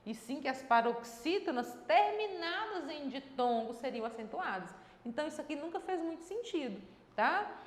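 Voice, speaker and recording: High-voiced woman teaching grammar in an echoey room. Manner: explanatory, checks in with tags like "tá?" and "né?". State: dry throat. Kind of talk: exam-prep grammar lesson. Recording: echoey room with long reverb.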